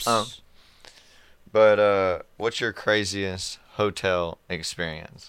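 On a very clean recording with a silent background, a man speaks very slowly at a fairly low pitch, with fairly even intonation and long, frequent pauses. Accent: Southern US. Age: 20s. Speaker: podcast host and musician. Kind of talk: casual chat. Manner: halting.

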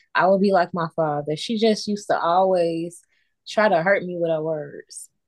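A woman speaks in a plain, everyday voice at a moderate pace, with a medium pitch and fairly even intonation. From Chicago. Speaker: author and business owner. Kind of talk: life story testimony.

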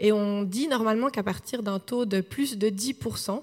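In a very clean recording with a silent background, a woman with an unremarkable speaking voice talks at a fairly slow pace, fairly high in pitch with ordinary pitch variation. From French-speaking Switzerland, Morges (Vaud). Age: 40s. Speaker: mayor and churchgoer giving a talk. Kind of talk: church talk.

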